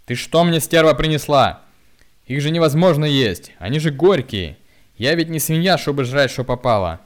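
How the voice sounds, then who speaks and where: A man voicing a drunken, furious middle-aged village uncle who shouts and curses. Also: on the high side, animated, unhurried, voice pushed up. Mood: drunken rage. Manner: shouting, cursing, growling.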